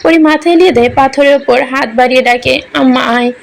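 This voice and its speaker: High-voiced woman narrating a sad romance. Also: brisk, gravelly, slight background noise. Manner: melodramatic, emotional storytelling. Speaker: storyteller. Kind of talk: scripted narration of a romantic story.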